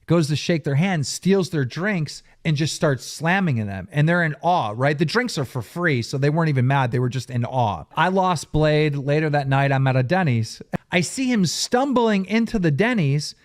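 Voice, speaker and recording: Animated storytelling man, lively pitch. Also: normal speed. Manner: animated, laughs into his own story. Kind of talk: casual storytelling.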